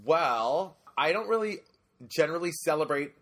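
Forties male co-host, bright slightly high voice, campy gossipy banter. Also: animated, moderate pace. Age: 40s. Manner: chatty, dishy banter with drag slang. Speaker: podcast co-host. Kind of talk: casual chat.

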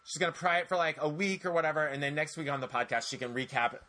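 Bright-voiced chatty man in his forties. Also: fairly high pitch, rapid-fire. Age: 40s. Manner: chatty, animated storytelling with many restarts. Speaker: podcast host. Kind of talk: casual podcast chat.

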